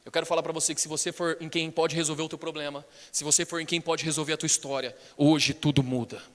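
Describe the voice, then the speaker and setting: A Brazilian pastor preaching a lively sermon in church, joking with the crowd and bursting into shouts. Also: male voice, fairly high pitch, fast. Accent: Brazilian Portuguese. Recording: long church hall reverb.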